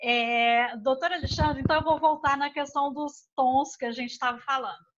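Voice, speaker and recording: A woman's voice: high voice, steady tone, normal speed, fairly bright tone, highs cut off. A woman host who is an architect, chatting with experts and often adding tag questions. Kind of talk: hosted expert conversation.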